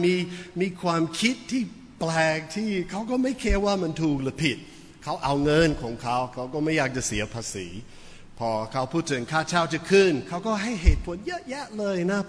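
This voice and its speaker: A Western man preaching a sermon, telling a story animatedly with many repeated words. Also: a little high. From Western country. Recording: echoey hall.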